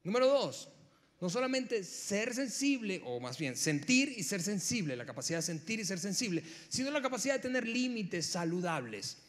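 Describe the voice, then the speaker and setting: A man's voice: high-pitched, sing-song, normal speed. A man with a Mexican accent preaching a sermon, emphatic, repeating key words and speaking straight to the listener. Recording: long hall reverb.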